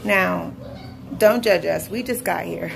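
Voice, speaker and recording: A woman's voice: fairly low pitch, slow pace, vocal fry. A young woman walking through her house and chatting casually about each room, laughing often and ranting now and then, filmed on a handheld phone. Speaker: vlogger. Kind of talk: casual house tour vlog. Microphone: phone camera held while walking. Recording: noisy home recording.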